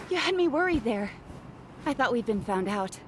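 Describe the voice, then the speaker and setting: A woman's voice: fairly high pitch, very animated, unhurried, noisy background. A woman voicing a kind, worried young female jeweler who tends to ramble.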